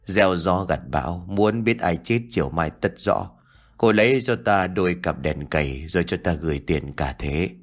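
A man's voice: deep voice, lively intonation, normal speed, voice pushed down. A man voicing an eerie village spirit-medium woman who speaks in cryptic, ominous prophecies, in a told ghost story.

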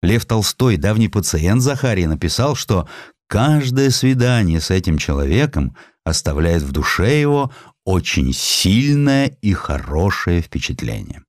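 Deep-voiced man narrating with lively expression. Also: no room sound, clean studio sound. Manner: expressive, measured storytelling with pointed pauses. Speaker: audiobook narrator. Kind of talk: scripted dramatized narration of a historical essay.

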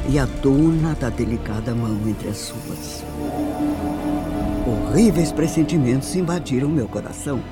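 An actress playing a refined, sorrowful older mother in a radio drama, with a Brazilian accent and solemn, deliberate, formal phrasing. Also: a bass voice, full character voice. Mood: anguished, foreboding. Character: older upper-class widowed mother, grave, sorrowful, refined. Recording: music under the voice. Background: background music.

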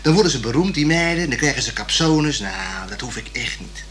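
Man acting a halting, animated young working-class bloke. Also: medium pitch, a little hiss or hum, close to an everyday voice. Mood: stubborn, grumbling. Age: young adult. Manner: halting, colloquial, repeating himself. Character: plain-spoken young working-class man, awkward, stubborn, good-natured. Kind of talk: naturalistic radio play dialogue.

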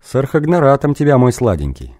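A man voicing a sly, sarcastic noblewoman with a husky voice, reading her lines in an audiobook. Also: mid-range voice, wildly swooping pitch, fairly quick, warm tone, pitched above the performer's own voice. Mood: mocking. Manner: teasing, sarcastic. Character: sly husky female baroness, mocking.

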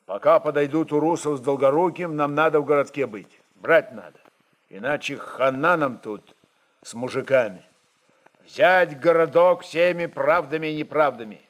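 A man's voice: on the high side, normal speed, lightly acted. A man voicing a stern, resolute Cossack rebel chieftain who speaks in terse commands, in a literary radio drama. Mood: firm, urging.

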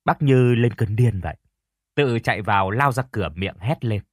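A man narrating a first-person story in a steady, plain way. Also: mid-range voice, moderate pace, no echo, clean studio sound. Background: faint music.

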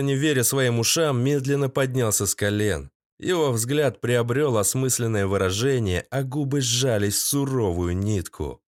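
A man's voice: mid-range voice, no echo. Man narrating an audiobook, dry close sound. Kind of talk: scripted narration.

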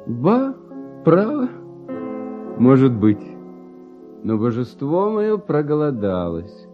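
A carefree, playful composer in an old radio drama. His delivery is theatrical and very lively in pitch, yet takes its time. The recording is dull, with faint music behind him. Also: takes it slowly. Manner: animated, light-hearted, expressive stage delivery. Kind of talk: theatrical radio play acting in verse.

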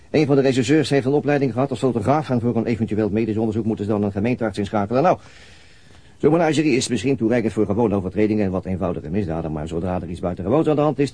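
An actor playing a weary, matter-of-fact police detective in a naturalistic radio drama, laconic and dryly explanatory. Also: male voice, on the low side, fast, mellow, no echo, lightly acted.

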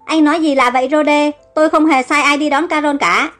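A stern young businessman, voiced by a woman narrator speaks with worried reproach in an audio storybook. The voice is high. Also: fairly even intonation, fairly quick, a bit bright, faint music behind.

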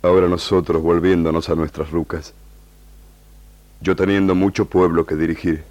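Noble tribal leader played by a male actor, low and solemn, halting gerund-heavy broken Spanish, radio serial. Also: little pitch movement, darkish tone, dry recording, highs cut off, natural voice. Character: noble indigenous chieftain, grave, proud, longing for peace. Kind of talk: radio drama acting.

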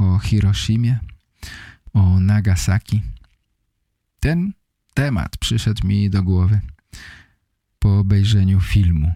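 A man hosting a podcast, giving an explanatory monologue for language learners in short, deliberately phrased sentences. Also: lowish voice, mellow, no echo, studio quality. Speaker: podcast host.

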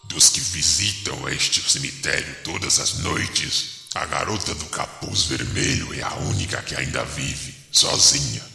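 Audio drama ghost: extremely deep, slow, sardonic old cemetery guide with formal speech, drenched in reverb. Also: male voice, vocal fry, pushed and bright, heavily acted. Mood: ominous. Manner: solemn, archaic formal phrasing, sardonic. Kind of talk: theatrical horror audio drama. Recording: echoey hall reverb, music behind.

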